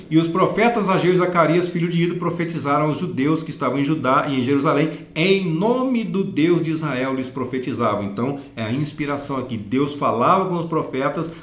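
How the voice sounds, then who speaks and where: Brazilian man teaching a Bible lesson, echoey room. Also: fairly high pitch. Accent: Brazilian Portuguese. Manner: explanatory, reads scripture slowly then comments. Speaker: Sunday school teacher.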